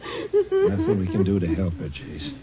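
An actor playing a sober, concerned, plain-spoken highway patrolman in a 1950s radio western. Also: wildly swooping pitch, a little slow, a crowd in the background, heavily acted. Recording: dull, noisy old radio recording.

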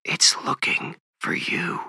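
A man voicing a frightened older mother in an audiobook, tearful and pleading, with a trembling, halting, often whispering voice. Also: sharp tone, no room sound, studio quality. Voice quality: trembling, breathy voice. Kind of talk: audiobook character voice.

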